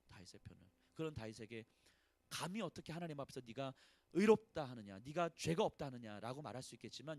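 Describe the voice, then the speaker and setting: A male pastor preaching at a church service, swinging between loud pleading and hushed, sorrowful lament, often speaking prayers of complaint in the first person. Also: a little high. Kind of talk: sermon.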